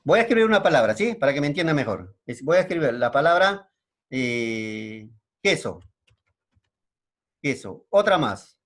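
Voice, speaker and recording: A man's voice: mid-range voice, sing-song, moderate pace, pauses often, a bit bright. A man with a Peruvian Spanish accent teaching an online language lesson, explaining patiently and checking in with frequent tag questions. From Peru.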